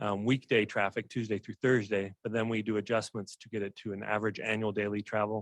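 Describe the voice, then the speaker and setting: A man speaks at a fairly low pitch in a monotone with flat intonation. The sound is dry and close with no echo, over a quiet background. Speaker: transportation modeler presenting forecasts. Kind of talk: technical presentation. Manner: fast.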